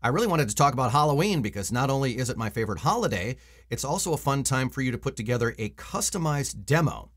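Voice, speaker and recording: A man in his forties speaks at a medium pitch in a conversational coaching style. He explains things casually and stresses key points by repeating them. He sounds like someone recording a tutorial at a desk in a small room at home. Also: animated, fast talker. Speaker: voice-over coach and voice actor. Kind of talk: casual instructional vlog to camera.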